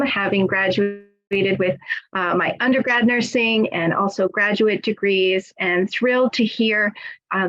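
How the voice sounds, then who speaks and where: A middle-aged woman, a nursing school director, moderating a webinar panel with a warm, encouraging way of asking questions. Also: medium pitch. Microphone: video call. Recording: slightly dull video-call audio.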